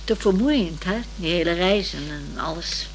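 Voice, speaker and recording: An actress playing a fussy, excitable elderly lady who loves opera, flustered and chattering in a radio play. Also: on the low side, normal speed, natural voice. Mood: fretful, nostalgic. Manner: flustered, stammering, chattering, insistent. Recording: slightly noisy old radio play recording.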